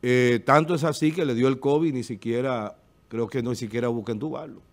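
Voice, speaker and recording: On a local TV talk show, a middle-aged Dominican man speaks as a panelist, delivering emphatic political commentary into a desk studio microphone. His voice is medium-pitched, steady and fairly quick, with a Dominican Spanish accent. He gestures with his hands and keeps repeating the filler "eh."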